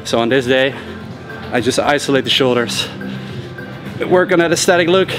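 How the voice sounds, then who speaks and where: A man talking casually while training in a gym, loose and relaxed, with lots of "like" and "you know", a little out of breath. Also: medium pitch, moderate pace. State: slightly out of breath. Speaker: fitness vlogger. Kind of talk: casual talk to camera. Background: music.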